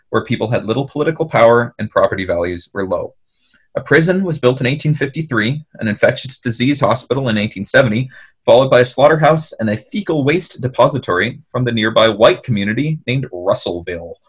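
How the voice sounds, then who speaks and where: Husky-voiced man narrating history. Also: medium pitch. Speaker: podcast host. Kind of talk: storytelling narration with casual banter. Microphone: remote call.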